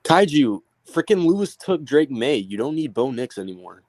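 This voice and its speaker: A man's voice: medium pitch, normal speed, no echo. A man co-hosting a sports podcast, casually calling out picks in a mock draft. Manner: relaxed, calls out picks. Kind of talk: casual chat.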